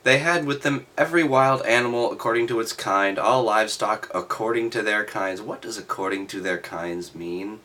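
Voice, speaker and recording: A man reading aloud and adding halting, offhand, skeptical commentary with sardonic asides. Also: fairly low pitch, bright, forceful tone. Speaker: reader and commentator.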